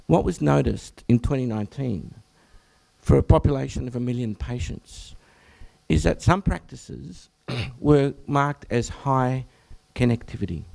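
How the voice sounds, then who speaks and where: An Australian man, a general practitioner, presenting to health professionals at an information session, with a croaky, hoarse voice; he clears his throat often and breaks off to restart phrases. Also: medium pitch, animated, measured pace, a little mellow. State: hoarse, croaky from much talking.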